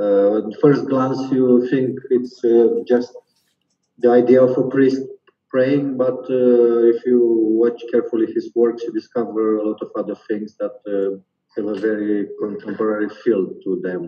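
Over a quiet background with audible room echo, a man talks at medium pitch, fairly slowly, with fairly even intonation. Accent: Romanian. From Romania. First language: Romanian. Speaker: artist, curator. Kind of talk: casual interview. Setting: video call. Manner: hesitant. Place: home room. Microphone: video call.

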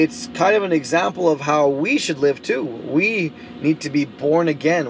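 Over music in the background, a man talks with lively intonation. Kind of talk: casual vlog chat with religious message. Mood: warm, earnest. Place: car. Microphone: phone near.

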